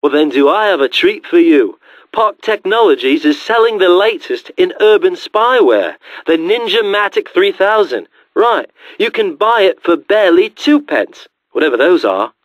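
A man's voice: high voice, sing-song, moderate pace, no room sound. A man voicing a cheeky, pushy creature salesman in a cartoon video game, glib and flippant, in slightly dull audio. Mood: salesmanlike. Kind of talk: animated sales-pitch character acting.

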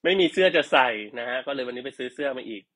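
A man's voice: mid-range voice, very fast, fairly bright tone. A man chatting casually and teasing jokingly while selling products on a live stream.

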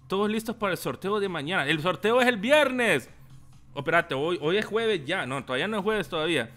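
A man's voice: high voice, pushed and bright. A young man with a Salvadoran Spanish accent, casually reading viewer chat aloud on a tech livestream, laughing often. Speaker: tech YouTuber. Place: small room indoors.

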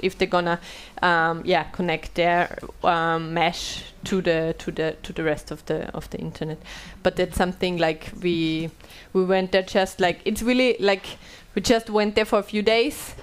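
Woman, thirties, headset mic, halting speech full of fillers. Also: fairly low pitch, clean tone. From Austria. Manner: hesitant, many fillers and restarts. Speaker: panel moderator. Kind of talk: conference panel talk. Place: small bright meeting room.

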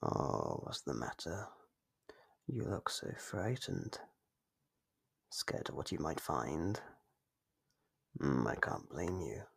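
A man voicing an ancient monster under the bed in an ASMR roleplay, playful, taunting and menacing, with a breathy, gravelly half-whisper. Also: rumbling low, a bit bright, heavily acted. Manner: slow, teasing, menacing.

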